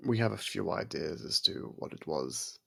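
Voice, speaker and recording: A man playing an aloof centuries-old vampire who grudgingly cares for a human, in an intimate ASMR roleplay, gravelly, husky and measured with a slightly haughty, halting delivery. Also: deep voice, expressive, a bit bright, exaggerated voice. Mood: measured, explanatory.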